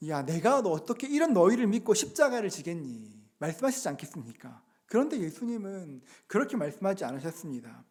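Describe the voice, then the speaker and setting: A man pastor giving a Sunday sermon, earnest and asking the congregation rhetorical questions. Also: high voice. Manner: gently acts out quoted words.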